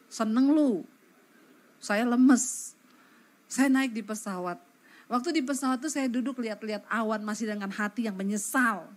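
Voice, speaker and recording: Animated, higher-pitched woman pastor preaching. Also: normal speed. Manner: animated and colloquial, often addresses the congregation as "saudara". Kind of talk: sermon with personal storytelling.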